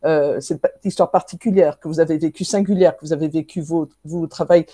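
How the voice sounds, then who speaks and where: A woman's voice: low voice, steady tone, fairly quick, warm tone, no echo, studio quality. A woman interviewer asking long, winding questions with restarts.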